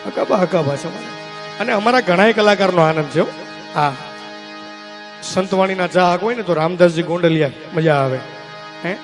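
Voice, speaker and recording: A man's voice: high-pitched, normal speed, pauses often, over music. A young man telling folk comedy stories on stage, slipping into character voices. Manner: lively storytelling, jumping between character voices. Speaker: comedian and mimic.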